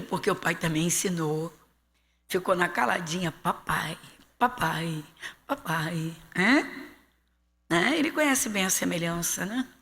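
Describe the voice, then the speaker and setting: A woman pastor from Brazil with a Rio de Janeiro accent, teaching a Bible class in an animated preaching manner and slowing down to read scripture aloud. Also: lowish voice. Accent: Rio de Janeiro Portuguese. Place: church hall. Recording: long hall reverb.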